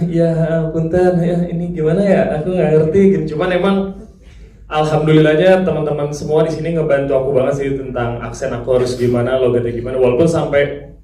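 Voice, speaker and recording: Male actor, chatty and laughing, mellow tone, echoey hall recording. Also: fairly high pitch. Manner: chatty, laughing, mimics others' speech. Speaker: actor at a press conference. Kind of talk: casual press-conference remarks. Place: large event hall. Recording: echoey hall, mic far off.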